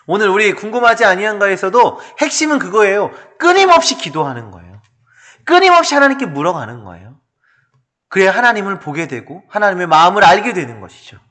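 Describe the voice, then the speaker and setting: A man preaching a sermon as pastor, animated and dramatic, asking his listeners rhetorical questions. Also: high-pitched.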